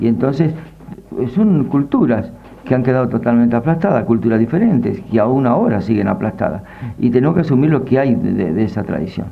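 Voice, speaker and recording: Amid noticeable background noise and audible room echo, a man with a medium pitch talks at a fairly quick pace with very wide pitch swings. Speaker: sociologist and educator. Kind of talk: radio interview.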